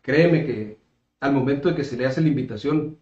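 A man's voice: mid-range voice, a little fast, darkish tone. Hesitant northern Mexican man in echoey room. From Mexico, coast of Caborca in Sonora. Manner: hesitant, repeats words while searching for the next. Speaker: political candidate being interviewed. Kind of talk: conversational interview answers. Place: small indoor room, seated at a table. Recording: roomy echo, slightly dull sound.

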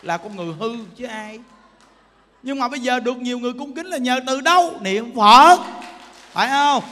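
High, bright-voiced monk preaching. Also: male voice, brisk, long reverb tail, slight background noise. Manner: emphatic, rhetorical questions to listeners. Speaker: Buddhist monk. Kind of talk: sermon.

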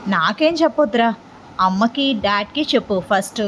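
A woman voicing a calm, sarcastic young man who needles his cousin in an audio story. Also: mid-range voice, normal speed, slight background noise, natural voice. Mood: needling.

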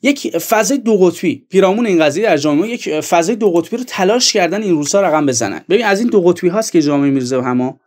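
Male commentator, fairly high voice, earnest, talks straight to viewers. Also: animated, few pauses, darkish tone. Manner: earnest, addresses viewers directly. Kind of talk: online video commentary.

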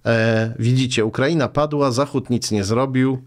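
A man's voice: mid-range voice, steady tone, measured pace. A man in his forties, a guest in a political interview in a small studio, speaking with many hesitations and sarcastic remarks. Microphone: boom mic on desk arm.

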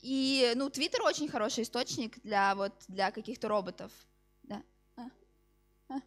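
A young woman with a fairly high voice answers questions after a presentation. She speaks informally and haltingly, starting sentences over as she explains. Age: 20s. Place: open event hall with seated audience.

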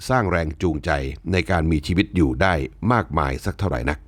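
A man delivering a reflective spoken essay in a measured, wry, unhurried way, politely closing his phrases. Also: low voice, expressive, husky, no room sound. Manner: polite, ends phrases with the male particle. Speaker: commentator.

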